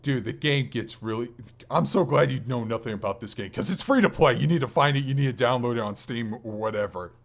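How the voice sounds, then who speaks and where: A man's voice: mid-range voice, lively intonation, brisk, vocal fry. A man co-hosting a podcast, chatting casually and enthusiastically about video games with some swearing. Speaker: podcast co-host.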